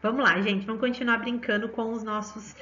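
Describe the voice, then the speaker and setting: Brazilian woman, 30s, primary teacher, bright and encouraging, slightly high voice, muffled home recording. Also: fairly even intonation, fairly quick, slight background noise. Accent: Brazilian Portuguese. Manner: cheerful, coaxing, speaks to children with diminutives. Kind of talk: remote math lesson for children.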